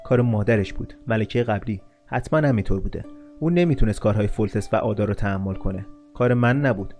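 A man's voice: on the low side, a little mellow, faint music behind, lightly acted. A man voicing an arrogant, desperate nobleman who hurls insults, then pleads and confesses in an audiobook reading. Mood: confessing.

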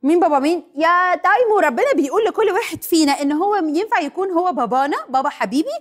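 Encouraging Egyptian kids' presenter, sing-song, brisk. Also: female voice, very high voice, expressive, slight background noise. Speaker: children's show presenter. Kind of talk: teaching children.

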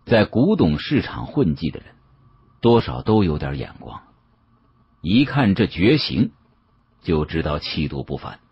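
A man narrating an audiobook as a dramatic storyteller, with an expressive, suspenseful delivery and a husky voice. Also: sits low, unhurried, long pauses. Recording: dull, muffled audio.

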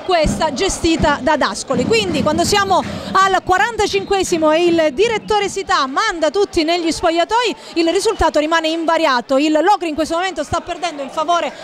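Very high-pitched woman commentating on football. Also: brisk. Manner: wordy, formal phrasing with frequent hesitations. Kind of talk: live football play-by-play commentary.

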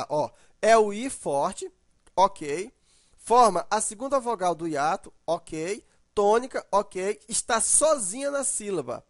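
A man's voice: high-pitched, dry recording. Man teaching grammar on a close, dry mic, patient and step-by-step. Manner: explanatory, repeats checks like "ok" and "ó". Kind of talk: recorded grammar lesson.

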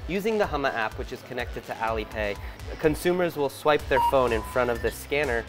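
With lively intonation and a fairly quick pace, a thirtysomething man in a medium-pitched voice reports from a big supermarket, handheld camera in tow, chatting curiously as he shops. Background music can be heard.

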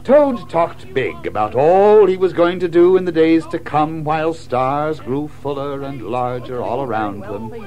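A man narrating a children's story in an expressive, measured storytelling manner. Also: fairly high pitch, lo-fi sound. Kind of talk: scripted storybook narration in an audio drama.

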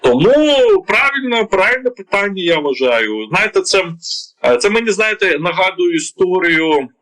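Indignant man, bright forceful voice. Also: high voice, lively intonation, moderate pace, poor audio. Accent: Ukrainian. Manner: indignant, rhetorical questions, many filler sounds. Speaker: political commentator. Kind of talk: heated political commentary.

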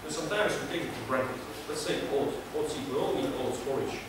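A man's voice: medium pitch, a little fast. A young man from Kazakhstan giving a prepared speech to a club audience in a small meeting room, earnest and hesitant with many fillers. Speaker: club speaker. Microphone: far camera, no mic. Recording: echoey room from far off, noisy.

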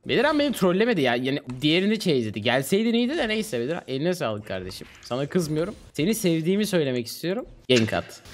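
Animated high-pitched young male gamer. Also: quick pace. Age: young adult. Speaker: streamer and video host. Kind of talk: casual gaming commentary and banter. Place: small indoor streaming room. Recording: music behind the voice. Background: music.

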